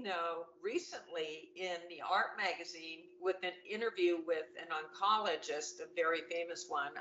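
A middle-aged woman with a lowish, slightly bright voice chats as a panel guest on a casual video call, upbeat and talkative, full of fillers and restarts. Her webcam audio sounds roomy and dull, with a little background noise.

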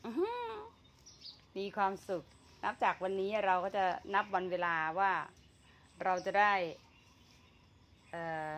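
A woman's voice: medium pitch, level tone, unhurried, pauses often, fairly bright tone, slight background noise. A woman vlogging about her home vegetable garden, chatting casually and talking to herself as she works. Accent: Thai. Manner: chatty, talks to herself while working, frequent fillers and laughs. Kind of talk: casual gardening vlog narration.

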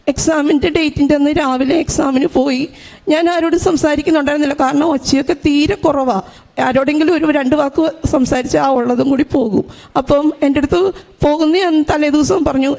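A middle-aged woman giving a religious testimony, telling her story in an earnest, halting way. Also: high voice, gravelly, a little mellow. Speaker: testimony giver.

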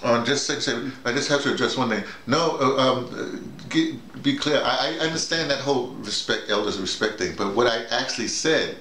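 A man's voice: mid-range voice, moderate pace, hardly any pauses, bright, forceful tone. An older man, talking informally and emphatically in a debrief, often repeating words as he makes his point. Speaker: audio drama workshop leader. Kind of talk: casual debrief conversation. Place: small indoor room with bed and desk. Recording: echoey room with faint noise.

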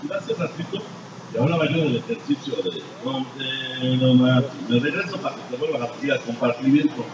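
An older man with a Mexican accent giving blunt, crude testimony at a recovery group meeting, going from low murmurs to loud shouts. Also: normal speed. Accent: Mexican Spanish. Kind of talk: blunt, profane confessional testimony. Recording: distant, echoey, dull-sounding room recording with noise.

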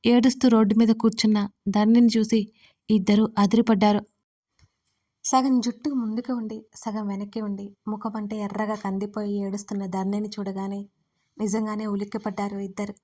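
A woman narrating a scripted audio story in a steady, even reading. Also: mid-range voice, normal speed. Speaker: storyteller and writer.

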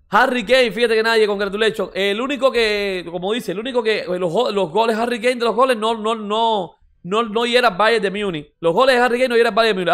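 Reaction host, male, high-pitched and quick, mocking and rambling with slang. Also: fairly bright tone. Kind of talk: excited casual reaction commentary.

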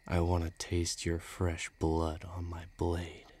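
Very deep, taunting villain played by a man. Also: monotone, slow, darkish tone. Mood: taunting, eager. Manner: taunting, predatory, threatening. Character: menacing bloodthirsty male villain craving a duel. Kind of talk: roleplay audio acting.

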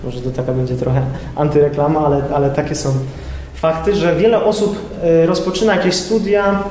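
Echoey young man lecturing with many pauses. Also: fairly high pitch, fairly even intonation, darkish tone. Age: young adult. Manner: hesitant, many filler sounds, explanatory. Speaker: student lecturer. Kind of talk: informal lecture to high school students. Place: classroom with projector screen, indoors. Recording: echoey room with long reverb, faint noise.

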